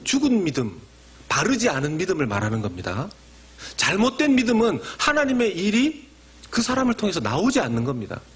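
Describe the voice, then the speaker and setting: A man preaching a Sunday sermon as senior pastor, acting out short imagined dialogues in a quieter voice and climbing sharply in pitch and loudness for emphasis. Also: slightly rough.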